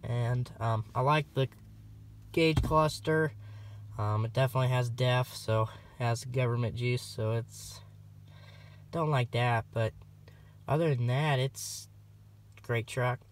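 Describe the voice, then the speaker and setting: A young man talks casually into a phone held at arm's length, sitting in a pickup cab and wandering outside it. His speech is relaxed and rambling, full of ums and restarts, at an ordinary middle pitch. A faint noise sits under the recording. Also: unhurried, long pauses. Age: young adult. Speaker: farm vlogger. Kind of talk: casual vlog walkaround. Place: inside a pickup truck cab and outdoors around it.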